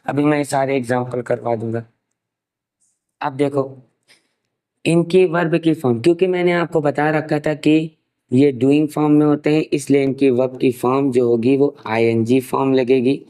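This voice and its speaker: A man's voice: medium pitch, steady tone, measured pace, mellow, poor audio. A young man from India with an Indian accent, teaching English grammar in an online class, explaining step by step and dictating examples word by word. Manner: mixes English terms into Hindi explanation.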